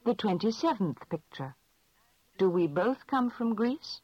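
Female, mid pitch with lively rise and fall, clear teacher prompts, dull dry lo-fi sound. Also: no room sound. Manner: clear, measured prompting questions. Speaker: language lesson speaker. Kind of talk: scripted language drill.

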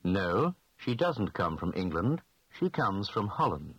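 Male, low and slightly husky, precise enunciation for a recorded language drill, dry sound. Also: sing-song, no echo, lo-fi sound. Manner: slow, clearly enunciated answers. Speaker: language lesson speaker.

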